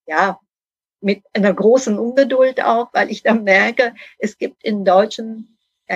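A woman's voice: medium pitch, slightly rough, dry recording, lo-fi sound. A middle-aged woman speaking as a podcast guest, explaining her work thoughtfully with many hesitations. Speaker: podcast guest, Lean consultant and author. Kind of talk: conversational guest talk.

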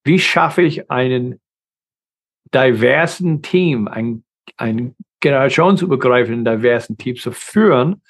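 A man's voice: mid-range voice, lively intonation, measured pace, slightly rough. A middle-aged man from the United States with an American accent, a guest consultant talking in his second language, with frequent restarts and grammar slips. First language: English. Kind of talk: conversational interview.

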